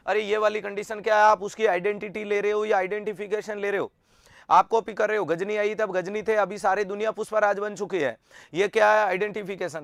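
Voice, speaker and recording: A man with a high, creaky voice teaches an online nursing exam lecture with lots of energy, quizzing students through repeated rhetorical questions. The studio-quality recording has no echo.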